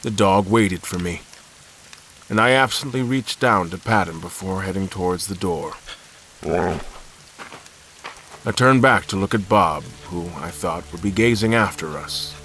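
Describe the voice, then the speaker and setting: A man playing a brooding, calculating prisoner who narrates his captivity in a measured, formal, deliberate way for a scripted audio drama. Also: deep voice, fairly bright tone. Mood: brooding, resolute.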